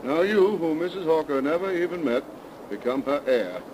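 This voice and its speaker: An actor playing a courteous small-town attorney in a 1930s radio drama, speaking formally and precisely on a noisy old broadcast. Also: male voice, on the high side, expressive, normal speed, natural voice.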